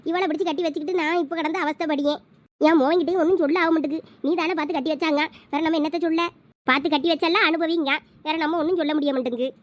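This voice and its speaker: A woman's voice: high-pitched, steady tone, rapid-fire, pitched below the performer's own voice, natural voice. A woman voicing a bitter village mother-in-law who complains about her daughter-in-law. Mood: bitter grumbling. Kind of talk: village comedy skit.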